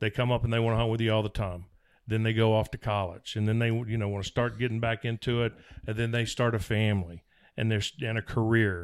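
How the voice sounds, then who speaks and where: A man with a Southern US accent speaks at a very fast pace. His medium-pitched delivery stays monotone and flat. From US South, Mississippi. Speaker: hunting organization executive. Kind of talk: casual chat.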